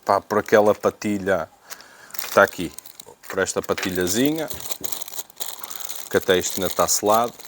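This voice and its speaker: Man, European Portuguese accent, fairly low voice, casual product reviewer, hesitant and repetitive, slight background noise. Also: moderate pace, pauses often, fairly bright tone. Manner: hesitant, repetitive, thinking aloud. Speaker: unboxing video presenter.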